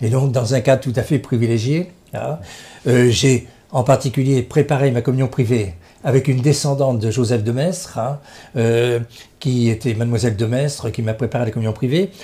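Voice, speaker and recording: Somewhat breathy, with a dark, mellow tone, a man speaks at a moderate pace in a medium pitch with ordinary pitch variation. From western France, Poitou (Poitiers, Vendée). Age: 70s. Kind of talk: interview. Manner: hesitant, many fillers.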